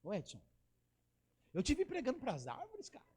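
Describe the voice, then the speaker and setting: A man voicing a calm, concerned older male pastor who speaks softly and slowly when praying. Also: very high voice, breathy edge, voice pushed up, full character voice. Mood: gentle.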